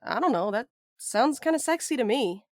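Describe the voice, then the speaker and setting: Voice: medium pitch, animated, normal speed, no room sound, natural voice. Wry, stubborn postmaster, acted out, dry sound. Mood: wry, defensive. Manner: wry, casual, deflecting with jokes. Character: sardonic, sweary, stubborn young postmaster courier. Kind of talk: naturalistic audio drama acting.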